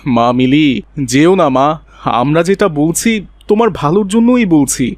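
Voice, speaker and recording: A man voicing a gentle, pious father who patiently counsels his child in an Islamic children's cartoon. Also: a little high, big pitch swings, a little slow, no room sound. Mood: gently admonishing. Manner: soothing, preachy.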